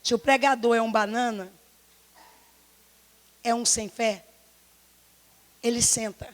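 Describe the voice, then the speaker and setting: A woman pastor in her forties with a Brazilian Portuguese accent, preaching a fervent sermon in a church, her voice slightly hoarse, repeating herself and firing rhetorical questions. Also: fairly high pitch, fairly even intonation, slow. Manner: impassioned, repetitive, many rhetorical questions. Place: church service.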